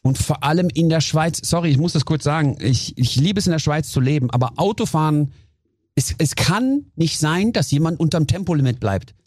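Husky, higher-pitched man, chatting. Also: a little fast, no room sound, studio quality. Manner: lively storyteller who briefly acts out his own outbursts. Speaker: podcast guest, comedian. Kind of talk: casual podcast chat.

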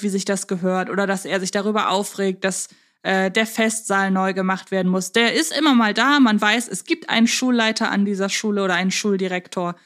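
A woman talks as a podcast co-host. Her voice sits at a middle pitch. She chats casually and works through her thoughts out loud, step by step. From Hamburg, Germany.

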